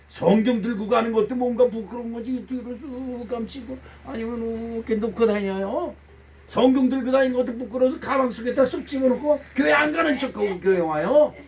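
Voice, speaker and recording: A middle-aged man preaching a sermon as pastor, animated, swinging between loud exclamations and low asides. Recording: voice from a distance.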